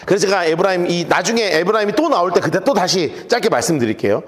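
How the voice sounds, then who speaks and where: A male pastor giving an animated, joking, conversational sermon and telling listeners what to note in their Bibles. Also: high-pitched, fast talker. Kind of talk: sermon with Bible study notes.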